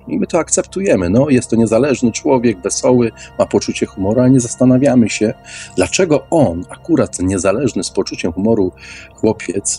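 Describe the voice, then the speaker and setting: A man talks in a lowish, soft-edged voice. He argues his views informally but emphatically, doubling back on words for stress. Faint music can be heard with him. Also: husky. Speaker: guest in an online radio debate. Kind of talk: informal, opinionated discussion.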